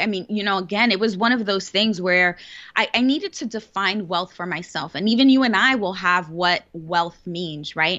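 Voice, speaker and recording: A woman speaks at medium pitch with ordinary pitch variation. It is a normal speaking voice. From New York City, the Bronx. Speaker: financial coach. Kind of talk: casual interview.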